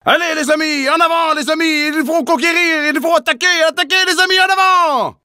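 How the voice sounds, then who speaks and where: A man voicing a frantic, urgent commander shouting to rally the troops, as for a game. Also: very high-pitched, fairly even intonation, a little fast, no room sound, clean studio sound, voice pushed up, heavily acted.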